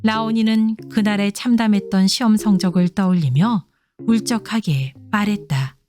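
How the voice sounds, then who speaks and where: Reading a scripted children's story aloud, a woman narrates expressively as though to young children. Her voice sits at medium pitch and normal speed, with soft instrumental music in the background.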